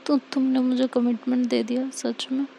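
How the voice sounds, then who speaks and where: A woman's voice: sits high, flat delivery, moderate pace, creaky, noisy background. A woman voicing an insecure young woman who keeps pressing for reassurance. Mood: doubting.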